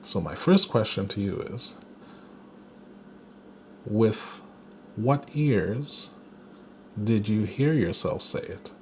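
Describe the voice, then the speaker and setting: Male spiritual teacher, unhurried, mid-pitched, faint hiss behind him. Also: lively intonation. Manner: slow, deliberate, with playful chuckles. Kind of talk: guided spiritual lesson.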